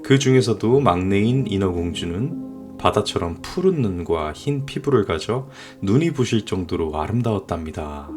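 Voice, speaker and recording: Male bedtime storyteller, lowish and animated, soothing fairy-tale narration with gentle sentence endings. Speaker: storyteller, father.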